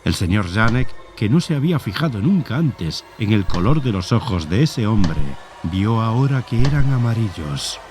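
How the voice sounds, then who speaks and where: A man narrating a horror story as a scripted literary reading, in a measured storytelling manner. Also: lowish voice, very animated.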